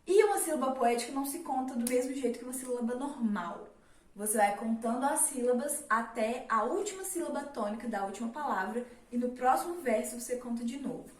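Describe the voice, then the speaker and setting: A woman's voice: sits high, lively intonation, a little fast. Chatty woman teacher in a roomy space. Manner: chatty, many fillers, rhetorical questions. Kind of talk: casual online literature lesson. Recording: roomy, mic at a distance.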